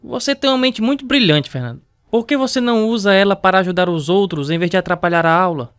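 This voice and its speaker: Long-suffering school principal, high clear male voice, measured and kindly admonishing, radio drama. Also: lively intonation, fairly bright tone, no echo, studio quality. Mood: weary, admonishing.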